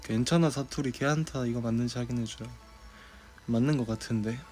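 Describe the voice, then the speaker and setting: A young man from South Korea chatting casually on a livestream, talking slowly and unhurriedly. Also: medium pitch, a little mellow, soft background music. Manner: drawling, unhurried. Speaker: idol livestream host.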